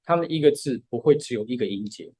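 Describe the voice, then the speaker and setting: A man's voice: mid-range voice, lively intonation, quick pace, a little mellow, slightly rough, no room sound. A man, patiently explaining music step by step in a casual podcast chat.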